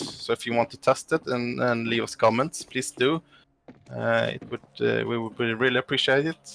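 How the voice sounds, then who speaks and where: Heard in a dry, close sound with no echo, a man with a Swedish accent speaks at a moderate pace. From Sweden. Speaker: video game map designer. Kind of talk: interview. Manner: halting, many fillers.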